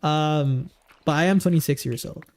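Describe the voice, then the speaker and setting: A man's voice: on the high side, moderate pace. A man in his twenties chatting casually on a livestream, rambling with lots of fillers and restarts, goofy and easygoing. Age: 20s.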